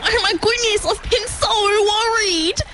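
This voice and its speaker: A woman's voice: extremely high pitch, unhurried, background noise. A woman voicing a doting, anxious and proud mother platypus in a children's audio story.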